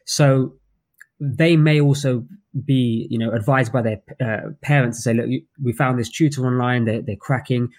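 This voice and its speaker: A man's voice: mid-range voice, darkish tone. A man from West London with a London accent, co-hosting a casual live stream in an upbeat, chatty way full of asides. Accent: British English, London. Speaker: co-host.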